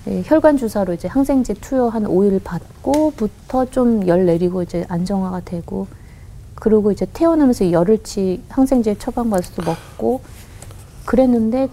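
A woman guest on a radio interview, earnestly recounting a personal story with halting restarts and quoted voices. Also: mid-range voice, dark tone, low-quality recording. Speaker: guest, company head.

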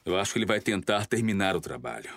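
An actor playing a determined, daring male police detective in an audio drama, with a grave, deliberate delivery. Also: on the low side, lively intonation, a bit bright. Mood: resolute.

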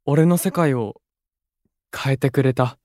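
A male actor playing a blunt, reserved but soft-hearted young idol with terse, casual speech in a Japanese voice drama. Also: mid-range voice, unhurried, no room sound, clean studio sound, lightly acted. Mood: gruffly fond. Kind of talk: Japanese anime-style voice drama acting.

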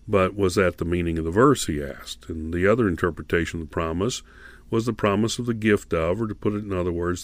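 Man, lowish pitch, Christian radio host, devotional announcing and teaching, measured deliberate delivery, dry studio sound. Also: no echo. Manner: measured, deliberate, repeats details for listeners.

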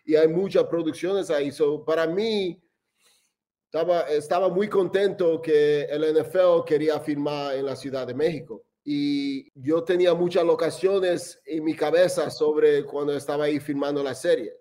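A man with a mellow, slightly high voice, answering interview questions in a loose, meandering way. He slips fillers into his Spanish and talks casually about his work. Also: fairly even intonation, moderate pace. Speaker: interviewee, commercial director.

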